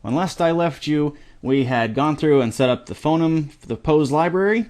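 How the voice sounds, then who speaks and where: A middle-aged man hosting a screen-recorded software tutorial, talking casually with lots of fillers and restarts. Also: on the high side, animated, moderate pace.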